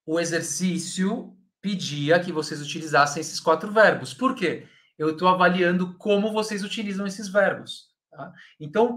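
A man's voice: high-pitched, a bit bright. A man with a Brazilian Portuguese accent teaching Italian in a live online lesson, patiently correcting students by name and checking in with "tá?".

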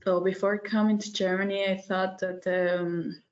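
A woman's voice: medium pitch, little pitch movement, unhurried, dull audio. A woman in her thirties from Costa Rica, answering interview questions casually on a webinar and laughing often. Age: 30s. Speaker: webinar guest. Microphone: video call.

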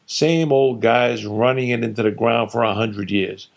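A man's voice: medium pitch, steady tone, creaky. A man doing his blustering old father. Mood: scornful. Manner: blustering, dismissive, rattling off rapid-fire insults. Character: opinionated older father boasting about his home state. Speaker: narrator voicing his father.

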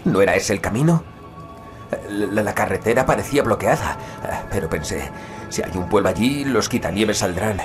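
A man performs a stranded father in an audio drama. His low voice is halting and anxious, worn out by the storm, with faint music behind it. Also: animated, close to an everyday voice. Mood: anxious, confused. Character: exhausted, frantic father stranded in a snowstorm.

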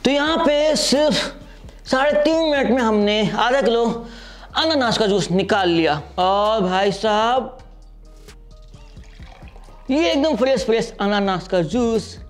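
A man's voice: very high-pitched, takes it slowly, pauses often, faint music behind. Chatty young man reviewing a juicer. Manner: chatty, lively demonstrating while juicing. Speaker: product reviewer. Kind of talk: casual product review vlog. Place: small indoor studio set with striped backdrop.

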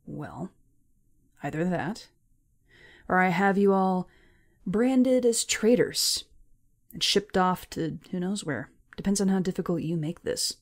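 Woman acting a gravelly, menacing female spy boss. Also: lowish voice, animated, heavily acted. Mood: coolly menacing. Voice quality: gravelly, husky. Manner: smooth taunting politeness, deliberate. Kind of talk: audio drama acting.

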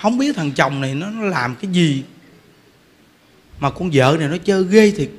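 A man with a Southern Vietnamese accent giving a humorous Buddhist sermon, telling a story with lively repetition and frequent laughter. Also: a little high, moderate pace. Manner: animated storytelling, repeats words, laughs often. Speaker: Buddhist preacher. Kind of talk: humorous dharma talk.

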